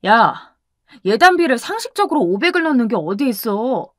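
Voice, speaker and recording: A woman's voice: a little high, big pitch swings, normal speed, dry recording, clean studio sound. A woman voicing an angry young man who scolds his girlfriend in a raised voice. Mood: furious. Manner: sharp, raised voice.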